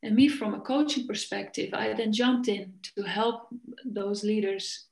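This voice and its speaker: A woman's voice: medium pitch, a little slow, vocal fry, darkish tone, echoey room. A woman from the Netherlands, in her forties, giving an earnest conference talk as a coach over a video call, with frequent restarts. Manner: earnest, searching, many restarts. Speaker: coach and festival speaker. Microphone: video call, laptop.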